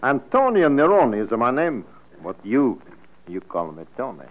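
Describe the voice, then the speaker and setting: An excitable Italian farmer in love. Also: male voice, unhurried. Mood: courting. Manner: broken English, excitable, swoops in pitch. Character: hot-tempered Italian immigrant vegetable farmer, smitten. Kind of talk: old radio drama acting. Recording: dull old radio recording with music.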